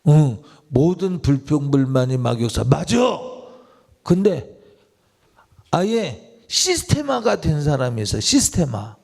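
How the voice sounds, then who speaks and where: A man with a gravelly, fairly high voice preaching a sermon in a church. He talks in a conversational way and keeps firing direct questions at the congregation. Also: big pitch swings, unhurried, a little mellow. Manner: conversational, quizzes listeners directly. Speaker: pastor. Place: church sanctuary.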